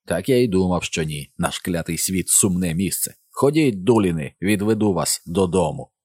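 A man's voice: sits low, expressive, normal speed, a little mellow, slightly rough, no room sound, clean studio sound. A man voicing a blunt, commanding middle-aged police officer in an audiobook. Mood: stern authority. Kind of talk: audiobook character voice.

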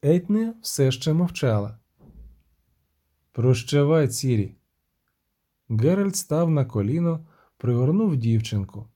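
Mellow-voiced man narrating an audiobook. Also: a little high, animated, normal speed. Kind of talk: scripted narration.

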